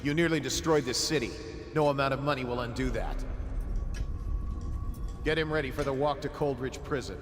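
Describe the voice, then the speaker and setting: A man's voice: mid-range voice, moderate pace, pauses often, in a large hall, over music, close to an everyday voice. A man playing a curt commanding guard captain.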